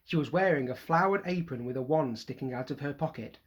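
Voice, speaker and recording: A teacher reading a children's novel aloud to a primary school class in lively storytelling style. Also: mid-range voice, brisk, muffled recording.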